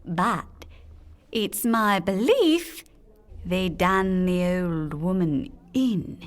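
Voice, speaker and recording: A woman playing a working-class young woman who talks slowly and deliberately, with darkly confiding, ungrammatical gossip in a radio drama. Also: lowish voice, expressive. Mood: grave, confiding. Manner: slow, deliberate, ungrammatical speech.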